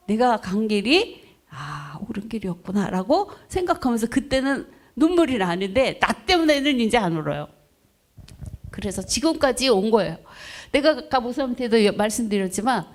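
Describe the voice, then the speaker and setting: A middle-aged woman preacher telling her own testimony to a congregation, acting out quoted voices and asking the people questions. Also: a little high. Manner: lively storytelling, acts out quoted voices, asks the congregation questions. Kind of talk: testimony sermon.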